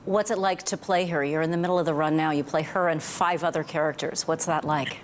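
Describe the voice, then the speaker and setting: Low-voiced mature woman, TV news interviewer. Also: steady tone, fairly quick, a little hiss or hum. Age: over 50.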